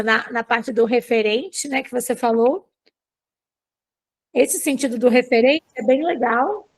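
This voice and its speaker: A woman with a Brazilian Portuguese accent teaching an informal lecture, explaining with chatty examples and asides. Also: fairly high pitch.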